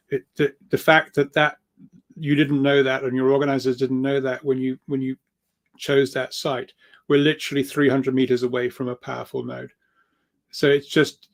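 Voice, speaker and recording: Man, interview guest, long explanations, halting repeats and restarts, mid-pitched, earnest enthusiasm. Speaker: guest speaker and researcher. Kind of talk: interview answer, explaining at length.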